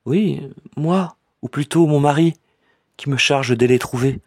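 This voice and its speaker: A man reading an audiobook, voicing a distraught, trembling society lady in a halting, tearful falsetto. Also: no echo, clean studio sound. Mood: troubled.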